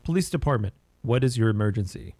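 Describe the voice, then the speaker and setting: A man reading game dialogue aloud as a brisk, matter-of-fact police emergency dispatcher asking questions. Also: lowish voice, lively intonation, darkish tone, slightly rough, dry recording. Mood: brisk, questioning.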